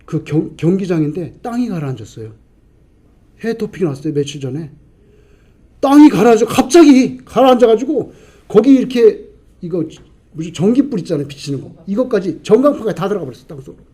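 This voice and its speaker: A man preaching a sermon as a pastor, putting rhetorical questions to the congregation and answering them himself, swinging between loud emphasis and quiet asides. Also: high voice, big pitch swings, a little fast, slightly rough.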